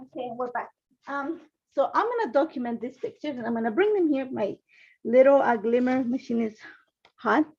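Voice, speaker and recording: A woman's voice: high voice, expressive, moderate pace, darkish tone. A middle-aged woman from Ecuador, hosting a casual craft livestream from her home craft room, chatting, rambling and greeting viewers by name. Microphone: phone and laptop livestream setup. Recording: dull lo-fi livestream audio.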